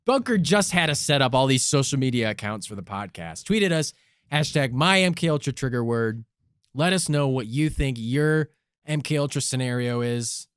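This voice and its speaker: Man, podcast co-host, rambling joking storyteller, smooth clear voice, dry close sound. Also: mid-range voice, animated, moderate pace, dry recording. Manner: rambling, spins joking hypothetical stories. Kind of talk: casual comedic chat.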